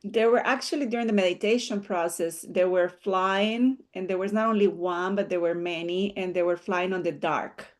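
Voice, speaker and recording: A woman's voice: fairly low pitch, moderate pace, few pauses. A woman taking part in a meditation session, earnestly describing her experience in casual chat and searching for words as she goes. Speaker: session participant.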